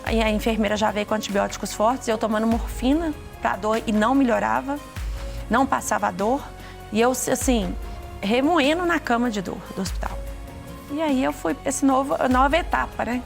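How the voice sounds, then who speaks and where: A middle-aged Brazilian woman tells her testimony in an earnest, halting way, often restarting her sentences. Her voice sits a little high and has a gravelly edge. Soft music plays underneath. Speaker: guest giving a testimony. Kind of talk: emotional personal testimony.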